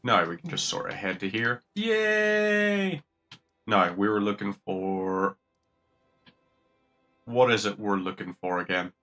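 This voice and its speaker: A man's voice: fairly low pitch, lively intonation, slow, pauses often, sharp tone. A young man casually commentating on a game, jokey and rambling, swearing now and then. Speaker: gaming streamer. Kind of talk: casual commentary while playing.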